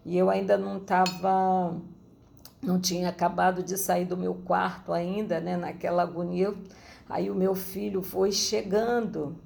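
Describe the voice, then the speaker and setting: Middle-aged Rio missionary, rambling testimony, very gravelly, dark and low. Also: female voice, little pitch movement, unhurried. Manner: rambling, frequent tag questions. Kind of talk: personal testimony.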